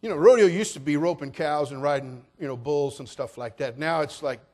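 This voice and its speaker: A middle-aged man preaching a sermon as pastor, folksy and joking, building up to shouted passages. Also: fairly high pitch, brisk.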